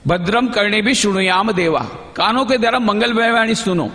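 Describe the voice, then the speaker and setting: A monk with a high, bright, forceful voice gives a teacherly talk at normal speed to a youth gathering in a large convention hall. He asks the audience questions and repeats key phrases, and the hall echoes with long reverb.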